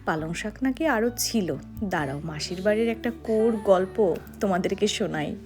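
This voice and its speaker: A woman's voice: mid-range voice, lively intonation, moderate pace, faint music behind. A young woman from Agartala chatting to her viewers as she vlogs her day and tells little stories. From Agartala, Tripura, India. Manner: chatty, warm storytelling to viewers. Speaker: vlogger. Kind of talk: casual vlog narration.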